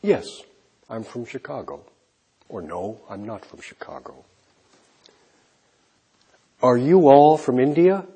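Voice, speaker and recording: Man, English teacher, slow careful delivery, lively pitch, mellow husky voice. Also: muffled recording. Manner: modelling example answers clearly, trailing off softly. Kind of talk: slow, deliberate classroom instruction.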